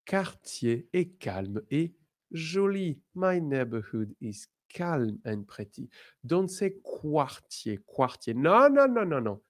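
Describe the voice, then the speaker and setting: A man teaching a beginners' lesson, drawing out model words slowly and breaking into lively emphatic bursts. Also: medium pitch. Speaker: French teacher.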